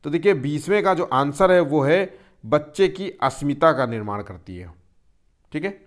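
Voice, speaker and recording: A man's voice: a little high, expressive, moderate pace. A man teaching an exam-prep lesson, explaining step by step and posing questions he then answers himself.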